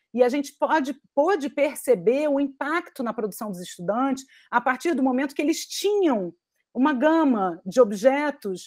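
Against a quiet background, a woman with a high pitch and a dark, mellow tone speaks at a moderate pace with lively intonation. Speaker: film professor; panelist, teacher. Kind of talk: online panel presentation. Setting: video call. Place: home room. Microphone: earbuds.

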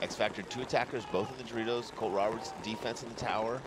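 A man's voice against noticeable background noise. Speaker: paintball color commentator. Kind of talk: live sports commentary. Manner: analytical, brisk play-by-play.

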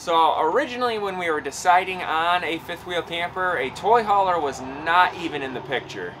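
A man talks with a high pitch and lively intonation. He keeps a moderate pace over light background noise. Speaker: RV family vlogger. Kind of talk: casual vlog chat.

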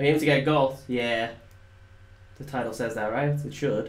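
Audible room echo follows a man whose intonation stays fairly even. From Netherlands. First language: Dutch. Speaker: gaming livestreamer. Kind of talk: live gameplay stream with chat reading. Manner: casual. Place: home room.

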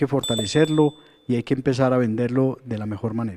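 A man is speaking. The background is quiet. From Colombia, Antioquia (Sonsón); Antioquia. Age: 50s. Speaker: mayoral candidate, social psychologist; candidate. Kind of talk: political debate. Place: studio. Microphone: handheld.

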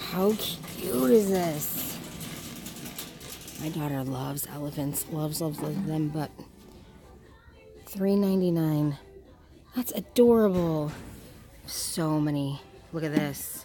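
Over background music, a woman speaks at a very slow pace in a very deep, low voice with ordinary pitch variation, long and frequent pauses, and a dry sound with no echo. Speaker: shopping vlogger. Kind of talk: casual vlog chat. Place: shop. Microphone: phone near.

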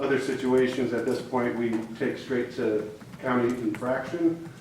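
A man with a medium-pitched voice speaks at a moderate pace. Noticeable background noise and audible room echo surround him. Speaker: county planning and development official. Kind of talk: presentation at city council meeting. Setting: city council chambers.

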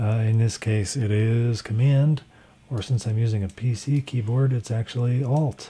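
A man's voice comes across somewhat breathy. His intonation stays fairly even. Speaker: tech tutorial creator. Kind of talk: tutorial. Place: studio. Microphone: studio mic.

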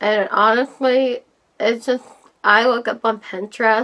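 Speaking very slowly, a woman uses a bright, sharp tone and fairly even intonation. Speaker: drawing youtuber. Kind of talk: casual tutorial talk. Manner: hesitant, many fillers. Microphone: webcam.

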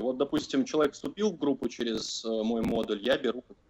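The intonation here is lively. A man talks at a moderate pace. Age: young. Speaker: startup founder. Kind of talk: answering panel questions; startup pitch. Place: home room. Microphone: video call.

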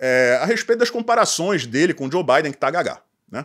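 A man is speaking. His pitch swings very widely. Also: quiet background. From Brazil. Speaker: political commentator. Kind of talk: political commentary monologue. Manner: animated. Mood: sarcastic, critical. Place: home room. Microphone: studio mic.

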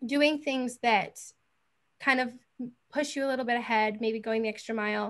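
A normal speaking voice from a woman who moves along at a fairly quick pace. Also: quiet background. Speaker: university student; panelist. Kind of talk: panel discussion. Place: home room. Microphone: video call.

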